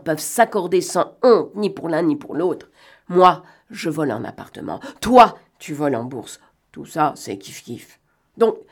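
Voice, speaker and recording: A woman reading aloud and voicing a cunning male gentleman thief who talks in a mocking, bantering way and snaps out brisk orders. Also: low voice, exaggerated voice. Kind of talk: audiobook reading.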